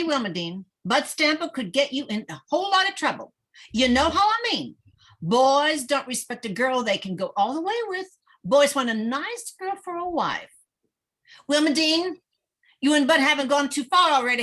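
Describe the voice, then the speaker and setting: A woman playing an anxious, prudish small-town mother who chatters and nags excitably in a dramatic screenplay reading. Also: sits high, moderate pace. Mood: anxious warning. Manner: excitable, nagging, emphatic. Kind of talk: dramatic screenplay table read.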